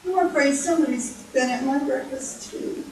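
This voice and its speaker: Fussy mama bear, performed by a woman, storybook character, high gentle voice, worried manner, very echoey. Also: moderate pace, recorded from a distance, a little hiss or hum, lightly acted. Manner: sweet, worried, fussing.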